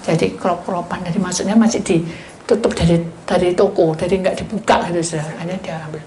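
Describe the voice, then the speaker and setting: A woman pastor preaching and telling stories, animated, dropping into whispered asides while addressing the congregation. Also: on the low side, a little fast. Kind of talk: sermon with storytelling. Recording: roomy hall echo, faint noise.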